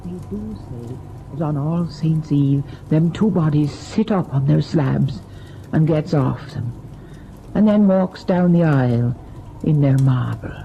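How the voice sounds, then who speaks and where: A woman's voice: deep voice, slow, gravelly, exaggerated voice. An actress playing a superstitious, deferential older servant woman, guarded and uneasy, in an old-time radio drama. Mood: hushed, foreboding. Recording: dull, noisy old radio recording.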